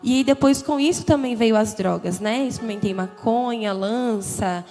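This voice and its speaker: A young woman with a São lilt, her voice sitting a little high, tells her own story to a church youth gathering. She talks candidly and conversationally, with a lot of feeling, and her words ring out in a big hall with long reverb and faint music underneath. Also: normal speed. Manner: candid, conversational, emotional, frequent "né?" tags. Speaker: testimony speaker. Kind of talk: personal testimony at a church youth congress. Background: soft background music.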